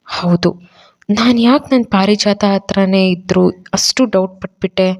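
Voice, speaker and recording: A woman voicing an emotional young man who speaks softly and pleadingly in a storybook audio drama. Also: mid-range voice, a little slow. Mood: tender.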